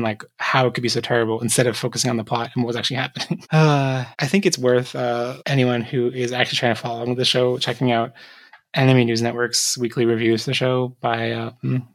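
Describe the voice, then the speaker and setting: Young woman rambling on a podcast, lots of likes and ums, laughs a lot. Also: a bass voice. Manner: rambling, lots of filler words, laughs often. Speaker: podcast co-host. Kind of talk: casual chat.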